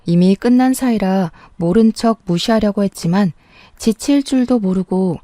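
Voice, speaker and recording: A young adult woman narrating a first-person story in a plain, even manner. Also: mid-range voice, moderate pace, no room sound.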